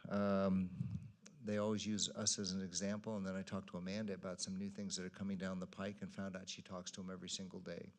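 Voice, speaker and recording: A man's voice: sits low, little pitch movement, fast. An American man, a council member, giving an informal spoken report at a meeting. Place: council chamber.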